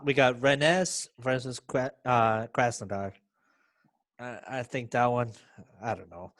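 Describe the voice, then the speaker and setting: A man's voice: mid-range voice, takes it slowly, a bit bright, no room sound, clean studio sound. A man co-hosting a podcast, giving confident, opinionated football predictions. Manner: assertive, opinionated. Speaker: podcast co-host. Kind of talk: casual sports chat.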